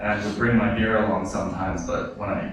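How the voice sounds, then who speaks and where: With noticeable background noise and audible room echo, a man talks at a moderate pace in a fairly low voice with ordinary pitch variation. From Korean American. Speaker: whisky distillery founder. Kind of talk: conference talk. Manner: casual, many fillers.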